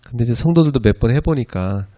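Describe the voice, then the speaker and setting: At a church, a male pastor leads an evangelism school with a sermon lecture, talking conversationally and tossing frequent "예" and "그죠?" asides to the audience. He sounds animated and mellow, with a medium pitch and quick pace.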